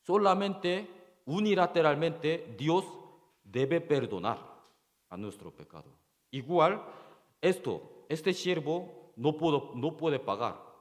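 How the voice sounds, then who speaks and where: Slow, halting male preacher in reverb. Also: a little high, very animated. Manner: halting, with frequent rhetorical questions to the congregation; repeats key phrases for emphasis. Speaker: pastor. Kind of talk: sermon. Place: church.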